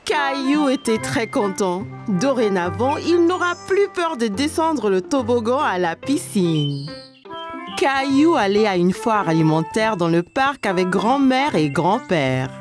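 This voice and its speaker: A woman narrating a children's cartoon like a scripted storybook, with expressive, clear storytelling. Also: fairly high pitch, measured pace, music in the background.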